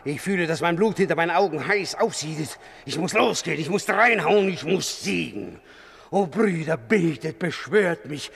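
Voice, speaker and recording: An actor playing a fiery, tormented Christian warrior in a German radio play, declaiming with fervour and pride. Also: male voice, on the high side, normal speed, creaky, husky, no echo. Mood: fervent, agitated. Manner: fervent, declamatory, proud.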